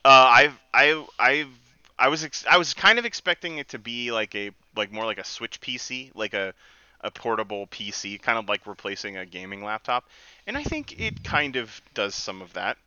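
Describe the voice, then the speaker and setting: A man's voice: medium pitch, animated, normal speed, bright, forceful tone, clear, resonant tone, no echo, muffled recording. A man co-hosting a casual group podcast, talking in a rambling way with many restarts. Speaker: podcast co-host.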